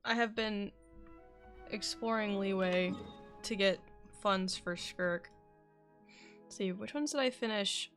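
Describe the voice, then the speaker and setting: A young woman chats casually while streaming a game. Her voice is mid-pitched with plenty of fry, and she rambles as she thinks aloud. Game music plays softly behind her. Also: slow pace, pauses often. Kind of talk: casual live gameplay commentary.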